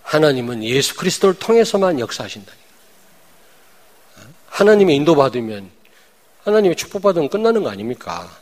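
A man, a pastor, preaching a sermon. He swings between loud declarations and hushed, chatty asides, and keeps throwing rhetorical questions at the congregation. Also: fairly high pitch, big pitch swings, brisk, long pauses.

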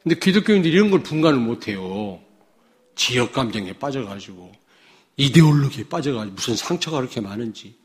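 A man from Chungcheong preaching a sermon, swinging between loud declarations and low asides to the congregation, with many rhetorical questions. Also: sing-song, fairly quick. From Chungcheong, South Korea. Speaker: pastor.

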